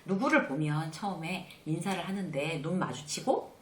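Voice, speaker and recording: A woman's voice: normal speed, a little hiss or hum. A middle-aged woman hosting a casual spoken lesson on workplace manners, acting out sample greetings as she goes. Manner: lively, acts out sample greetings in a bright higher voice. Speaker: workplace lecturer and channel host. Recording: roomy echoey room.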